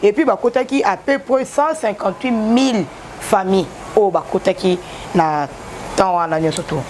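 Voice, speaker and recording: A woman in a political discussion, calmly recounting history in measured terms, mixing French and Lingala. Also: mid-range voice, slight background noise. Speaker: debate participant.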